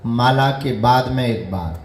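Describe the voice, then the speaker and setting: A spiritual teacher delivers a devotional sermon on mantra practice, speaking slowly and in a measured way while repeating a chain of rhetorical questions. His voice is mid-range, and the reverberant recording carries a little hiss or hum.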